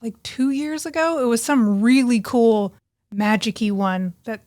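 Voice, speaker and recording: A chatty young woman co-hosting a podcast, her voice sitting a little high. She laughs easily and slips into playful voices when she quotes people. The sound is close and dry, with no room around it. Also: measured pace, darkish tone, no room sound. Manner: chatty, laughs often, acts out quoted lines. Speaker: podcast co-host, author. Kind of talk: casual chat.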